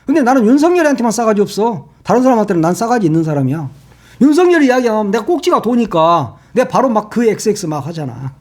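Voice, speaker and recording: A man delivers a casual political monologue in a sarcastic, heated rant, swearing freely. His voice sits high and leaps all over the place. He drops into low mutters between outbursts. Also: very animated, fast. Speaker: political commentary channel host.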